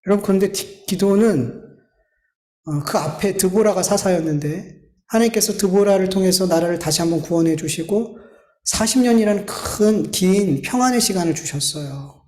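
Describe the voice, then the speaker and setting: High-voiced pastor preaching in an echoey church. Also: male voice, normal speed, warm tone. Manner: earnest, pleading, addresses congregation often. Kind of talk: sermon. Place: church sanctuary.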